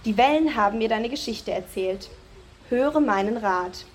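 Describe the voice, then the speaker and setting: Wise old octopus, read by a woman, storybook, solemn, slow advice. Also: fairly high pitch, expressive, a little hiss or hum, natural voice. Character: wise old male octopus in a reef cave.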